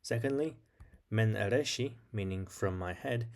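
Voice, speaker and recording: A man's voice: fairly low pitch, measured pace. A man hosting an educational video, reading scripted narration in an explanatory style. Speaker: video host.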